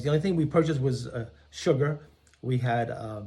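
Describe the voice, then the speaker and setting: A somewhat breathy, dark, mellow tone at a fairly quick pace with ordinary pitch variation. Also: man. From Portugal, then New York. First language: Portuguese. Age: 60s. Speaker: guest speaker. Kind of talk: personal storytelling. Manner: halting, many fillers.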